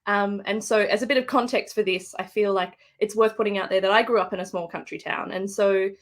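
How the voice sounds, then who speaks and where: A woman's voice: medium pitch, steady tone, a little fast. An Australian woman, an author, speaking thoughtfully with fillers and restarts in a live book interview over a video call. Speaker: guest author.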